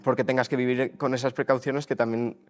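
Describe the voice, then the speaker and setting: A man's voice: medium pitch, flat delivery, fairly quick, soft background music. Hesitant young man giving testimony. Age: 20s. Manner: hesitant, many restarts and fillers. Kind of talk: recorded testimony interview.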